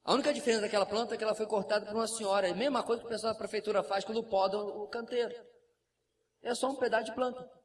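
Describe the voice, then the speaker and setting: High-voiced Brazilian pastor preaching from afar. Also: male voice, racing. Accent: Brazilian Portuguese. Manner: lively preaching with asides and acted quotes. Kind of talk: sermon. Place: church sanctuary. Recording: distant mic, faint room noise.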